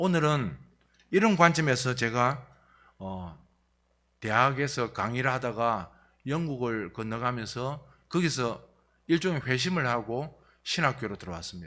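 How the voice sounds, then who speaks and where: A man's medium-pitched, bright, sharp voice at a fairly slow pace, with lively intonation and long, frequent pauses. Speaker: retired pastor. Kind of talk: sermon. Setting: church.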